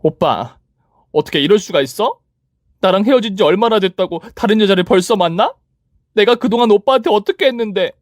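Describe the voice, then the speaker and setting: A man's voice: sits high, animated, brisk, dry recording, clean studio sound, voice pushed up. A man voicing a desperate, clingy young woman who pleads and shrieks. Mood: pleading.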